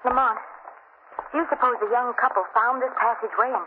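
A woman's voice: a little high, fairly even intonation, a little fast, lightly acted. An actress in an old radio mystery playing an anxious, inquisitive lady companion to a detective. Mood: uneasy curiosity. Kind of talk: 1940s radio mystery acting. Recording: noisy, phone-like old radio recording.

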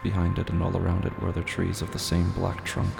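A man's voice: deep voice, completely flat delivery, quick pace, vocal fry. A man narrating a scripted horror story for an audio drama. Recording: echoey reverb over loud music bed.

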